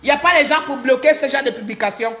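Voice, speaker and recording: A woman's voice: sits high, fast, a bit bright. A woman from Gabon with a Cameroonian French accent, speaking as an online commentator in an indignant livestreamed rant, often repeating a word while she hunts for the next. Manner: indignant, repeats words while searching for them. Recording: roomy echo.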